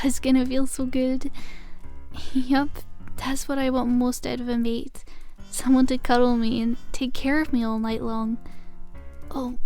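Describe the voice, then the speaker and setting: A woman playing a playful, possessive werewolf demon girlfriend in an intimate, softly teasing ASMR roleplay. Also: high-pitched. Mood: eager, playful.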